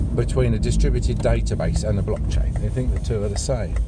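Fairly quick speech from a man, dry with no echo, over loud background noise. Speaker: vlogger. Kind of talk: casual vlog chat. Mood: opinionated, lightly amused. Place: car. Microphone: phone near.

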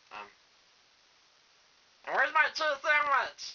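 This is a cartoonish character voice. It sounds whiny and high in pitch. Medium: puppet show. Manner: hyper, dramatic, whiny.

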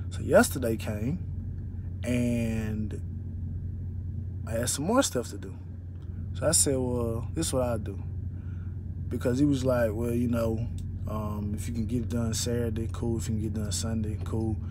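A man with a fairly low, dark, mellow, somewhat breathy voice speaks at a moderate pace with ordinary pitch variation and long, frequent pauses. The sound is dry with no echo, though there is noticeable background noise. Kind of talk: casual vlog chat. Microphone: phone near.

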